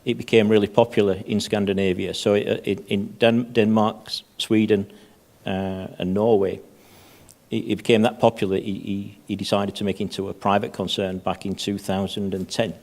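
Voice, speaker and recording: Man, panelist, halting delivery, low-ish pitch, conference stage. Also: flat delivery, a little mellow. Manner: halting, repeats words often. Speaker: panelist, head of safety.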